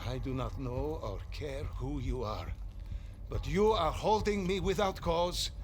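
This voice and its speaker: A man's voice: on the high side, a little slow, a little hiss or hum, close to an everyday voice. A man playing a defiant captive doctor. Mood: indignant. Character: defiant, frightened male doctor held prisoner. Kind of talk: video game cutscene acting.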